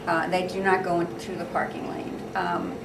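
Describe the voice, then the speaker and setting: A woman, a city alderman, answers interview questions and lists her plans in long, upbeat run-on sentences. She sounds like she is some distance from the mic in an echoey room. Clear noise hisses underneath her voice. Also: fairly low pitch, little pitch movement, moderate pace. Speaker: city alderman running for re-election.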